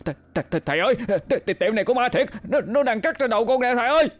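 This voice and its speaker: A man's voice: extremely high pitch, lively intonation, very fast, pitched above the performer's own voice. A man voicing a terrified young country lad who stammers and panics. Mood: panicked.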